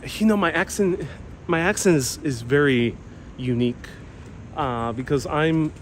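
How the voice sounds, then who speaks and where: A livestream host from Puerto Rico gives a relaxed walking tour and chats with viewers. He grew up in New York, speaks Spanish as his first language and has a Queens Hispanic accent. His voice is fairly high and a little slow, captured by a phone-mounted mic while he walks a town street, and the recording is noisy with passing traffic.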